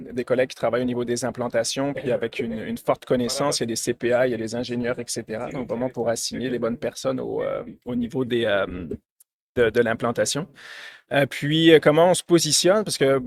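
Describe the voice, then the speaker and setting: A man's voice: mid-range voice, fairly even intonation, a crowd in the background. A man from France with a mixed French and Québécois accent, a guest answering interview questions, with lots of fillers and restarts. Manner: fast, filler-heavy, many restarts. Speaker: sales director, guest.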